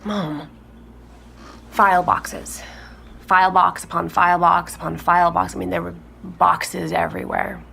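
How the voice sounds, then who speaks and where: Grown daughter being interviewed, matter of fact, creaky lowish voice, bit of noise. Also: female voice, expressive, a little slow, bright, forceful tone, exaggerated voice. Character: matter-of-fact grown daughter recalling a relative's eerie house. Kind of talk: naturalistic podcast interview in audio drama.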